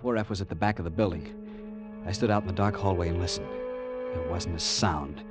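A man's voice: low-pitched, fairly quick, music in the background, lightly acted. An actor playing a young man narrating his growing fear in 1940s radio acting style. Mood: tense. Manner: narrates tensely, growing panicky.

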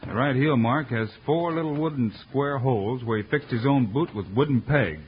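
Man playing a steady western lawman, medium pitch. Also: normal speed, close to an everyday voice. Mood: steady, confident. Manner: firm, instructive. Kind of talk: 1950s radio western acting. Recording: dull, noisy old radio recording.

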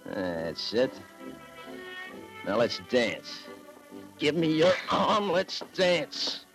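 A drunken hard-boiled private eye. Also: male voice, on the high side, very animated, very slow, fairly bright tone, soft background music, heavily acted. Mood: brooding. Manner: slurring, brooding, swings from tender to threatening. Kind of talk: 1940s radio acting.

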